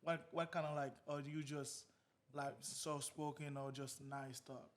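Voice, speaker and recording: A man's voice: medium pitch, flat delivery, unhurried. A man co-hosting a casual podcast, asking blunt, informal questions.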